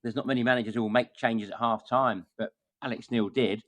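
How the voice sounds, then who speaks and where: A man giving measured, conversational football analysis as a podcast guest. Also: mid-range voice, steady tone, fairly bright tone, dry recording. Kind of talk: casual football chat.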